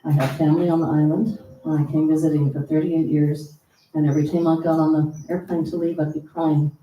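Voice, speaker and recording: A woman's voice: low-pitched, flat delivery, fairly quick, dull audio. A woman hosting a church service, giving announcements and welcoming guests in an earnest, heartfelt way. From United States. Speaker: service host. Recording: roomy, distant mic with faint hum.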